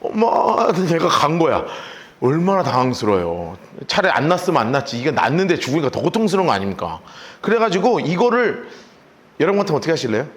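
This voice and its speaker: Male pastor, sermon, animated storyteller, high voice, lively swings in pitch. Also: fast talker. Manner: animated storytelling, acts out characters.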